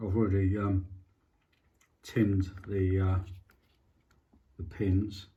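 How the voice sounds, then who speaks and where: A man's voice: low-pitched, monotone, slow, warm tone, dull audio. A man giving a casual, hesitant, understated commentary as he does a hands-on repair, thinking aloud. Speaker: hobbyist presenting a radio repair. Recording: clearly noisy home recording with clicks.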